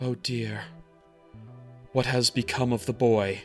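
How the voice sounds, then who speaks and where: A man's put-on character voice at medium pitch, fairly slow, with clear music in the background. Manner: matronly.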